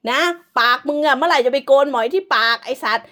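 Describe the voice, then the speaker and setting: A woman's voice: high-pitched, fast, bright, forceful tone. A woman delivering an angry, profane, scolding rant as an online commentator, hurling insults throughout.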